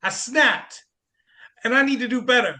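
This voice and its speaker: A man's voice: very high voice, moderate pace, bright, forceful tone, exaggerated voice. An actor playing a volatile, self-pitying jilted man in a comic radio play, agitated and stammering. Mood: apologetic. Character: volatile, desperate jilted man, ex-chorus performer turned hostage-taker.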